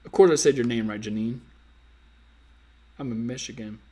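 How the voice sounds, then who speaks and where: A man hosts a casual live stream, answering viewer comments as a dating coach. He teases, jokes and speaks in loose slang straight to his audience. His voice sits in an ordinary middle pitch, picked up by a computer mic. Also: moderate pace, dark tone. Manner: playful, teasing, addresses viewers directly with slang.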